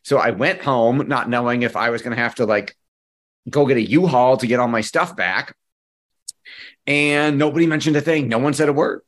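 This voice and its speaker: A middle-aged man presenting a workshop as a marketing coach, speaking in a lively, conversational way and telling stories from his own life. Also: mid-range voice, normal speed. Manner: lively, conversational storyteller who acts out dialogue. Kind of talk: workshop presentation with personal storytelling.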